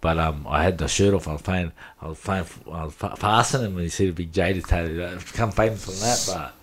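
A middle-aged man with a low, deep voice and an Aboriginal Australian accent. He talks in a relaxed conversational way, full of slang, and often circles back to repeat a phrase. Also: fast talker, background noise. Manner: slangy, repeats himself, says "bro" and "you know". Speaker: interview guest. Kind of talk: casual chat.

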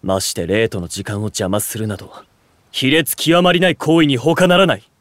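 A man's voice: medium pitch, big pitch swings, moderate pace, dry recording, lightly acted. A man playing a stern, distrustful young older brother in a voice drama, curt, haughty and formal, protective and aloof. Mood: hostile, suspicious. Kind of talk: Japanese voice drama acting.

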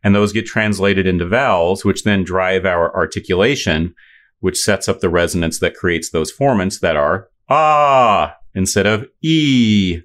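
A man's voice: low-pitched, measured pace, a bit bright. A middle-aged man explaining voice science in an interview, thoughtful, with many fillers and restarts. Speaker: voice science expert.

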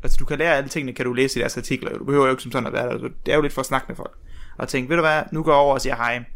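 A man's voice: medium pitch, fairly even intonation, a bit bright. A young man telling a long anecdote in casual podcast chat, rambling with many restarts and frequent laughter. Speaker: podcast guest, researcher.

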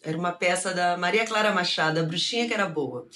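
A woman's voice: fairly low pitch, fast talker, fairly bright tone, a little hiss or hum. A woman in her fifties from Bahia, a guest actress and singer telling stories in a talk show interview.

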